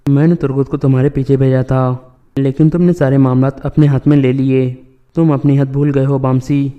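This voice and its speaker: A man reading the lines of a stern, commanding male tribal chief in a flat, even voice. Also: mid-range voice, clear, resonant tone, lo-fi sound, close to an everyday voice.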